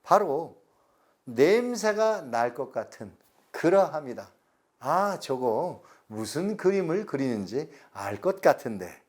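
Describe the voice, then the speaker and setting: A middle-aged man, giving a recorded lecture slowly and deliberately, stretching words and pausing. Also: on the high side, very animated, a little mellow. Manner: slow, deliberate explanation with drawn-out words and pauses.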